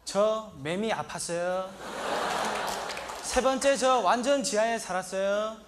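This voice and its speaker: A comedian playing an earnest young male migrant worker with a Sri Lankan accent, speaking in short, broken sentences and shouting an indignant catchphrase. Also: high voice, slow, noisy background. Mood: plaintive. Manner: broken, simple Korean sentences. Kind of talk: stand-up comedy monologue.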